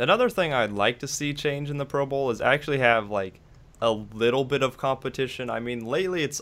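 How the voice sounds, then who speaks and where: A man speaks in a normal speaking voice with an American accent. His pace is moderate and his pitch variation ordinary. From Kansas. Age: 18. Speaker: gaming youtuber and podcast host. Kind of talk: casual chat. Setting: online call.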